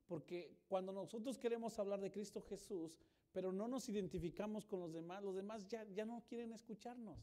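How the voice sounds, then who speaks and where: A male pastor preaching in a mellow, warm voice pitched a bit high for a man. He swings between loud, stressed lines and quiet, intimate storytelling, and acts out the voices in the dialogue he recounts. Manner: animated, swings from loud emphasis to hushed storytelling; acts out quoted dialogue in his telling. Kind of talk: sermon.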